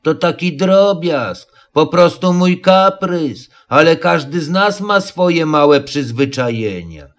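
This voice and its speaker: A man's voice: fairly high pitch, lively intonation. Eeyore, a man doing a gloomy donkey. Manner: mournful, drawn-out, sarcastic. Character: gloomy old donkey, sulky and self-pitying. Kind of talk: storybook reading.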